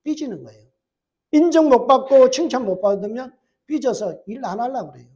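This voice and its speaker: Male pastor with a very high voice, preaching at a church service and quizzing his flock. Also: animated, brisk, mellow. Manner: asks the congregation rhetorical questions and answers them; emphatic preaching with repeated phrases. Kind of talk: sermon.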